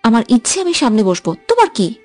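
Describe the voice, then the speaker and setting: A feisty young woman in an audio love story, voiced by a woman. She bickers with playful, sulky needling, her voice sitting high and swinging widely in pitch. Faint music plays underneath. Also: huge pitch swings, fast talker, mellow, no room sound. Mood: teasing. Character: teasing, quick-tempered young woman in love.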